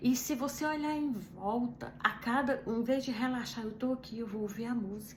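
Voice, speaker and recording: Ordinary pitch variation amid audible room echo and noticeable background noise. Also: woman. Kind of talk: devotional talk.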